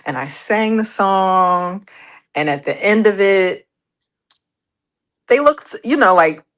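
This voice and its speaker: A woman's voice: mid-range voice, animated, takes it slowly, fairly bright tone. A woman singer and pianist, a guest in an interview, talking candidly and telling stories with light laughter. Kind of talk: casual interview chat.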